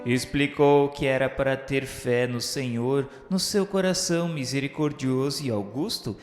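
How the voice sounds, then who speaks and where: A Brazilian man reading a scripted dramatic radio narration in a solemn, formal, measured manner. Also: mid-range voice. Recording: echoey hall-like reverb. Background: music.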